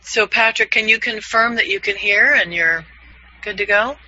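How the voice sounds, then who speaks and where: A man in his fifties, a voiceover coach leading an online class, upbeat and quick to laugh. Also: high-pitched, bright, forceful tone. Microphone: video call. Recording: dull, lo-fi video call audio.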